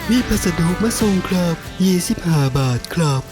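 A man's voice: fairly high pitch, expressive, normal speed, over music, natural voice. A man playing a polite young Isan delivery man. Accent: Northeastern Thai (Isan). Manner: polite, deferential.

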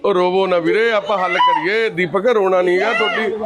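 A man from a charity, coaxing and calming people with gentle repeated pleas. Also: high-pitched, a little fast, a loud crowd. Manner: repeats calm pleas over and over. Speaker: charity volunteer. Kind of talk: coaxing, soothing talk.

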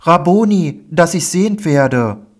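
A man's voice: fairly high pitch, lively intonation, unhurried, pitched above the performer's own voice. A man crying out as a desperate blind beggar. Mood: imploring. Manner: crying out loudly, pleading.

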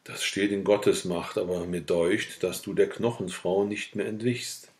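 A man's voice: sits low, steady tone, measured pace, echoey room. A man reading the lines of a blunt, earthy old village woman who speaks in a scolding, matter-of-fact way.

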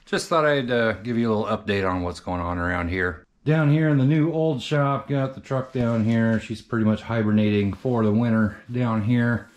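A middle-aged man from central Iowa, a vlogger who owns a farm shop, gives a rambling, plain-spoken update as he walks his wintry farmyard with an action camera, and also inside a shop. His voice is medium-pitched at a normal pace with hardly any pauses; the audio has no echo and the highs are cut off.

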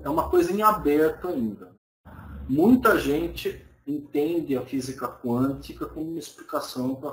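A man in his thirties giving an online lecture from a small room, talking casually and often checking in with his listeners. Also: a little high. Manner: conversational, frequent tag questions, hedged personal opinion. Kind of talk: live webcam lecture answering viewer questions. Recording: roomy webcam audio.

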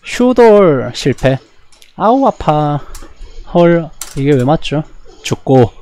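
A man giving live commentary while he plays a fighting game, with rapid, self-mocking banter and sudden exclamations. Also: a little high, sing-song, warm tone. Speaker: game streamer.

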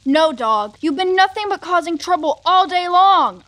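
A woman's voice: very high voice, expressive, moderate pace, no echo. A woman voicing a bossy, short-tempered cartoon superhero cat who is sarcastic and scolding. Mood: furious. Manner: sharp-tongued, sarcastic, scolding. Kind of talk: cartoon voice acting.

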